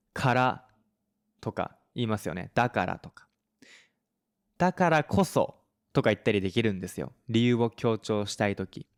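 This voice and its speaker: Smooth-voiced man teaching casually. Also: fairly low pitch. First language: Japanese. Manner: relaxed, mixes in English examples. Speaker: Japanese teacher, podcast host. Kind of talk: casual explanatory lesson.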